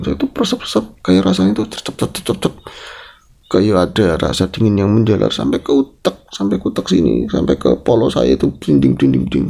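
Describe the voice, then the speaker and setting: A man telling a horror story in a casual way, acting out the quotes with big jumps in pitch. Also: gravelly, husky. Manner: animated, mixes in Javanese, acts out quotes with sharp pitch jumps. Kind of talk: casual storytelling retelling a guest's experience.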